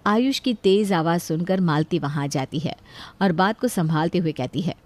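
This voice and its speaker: A woman narrating a family story in a calm, scripted way. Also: on the low side, moderate pace, faint music behind.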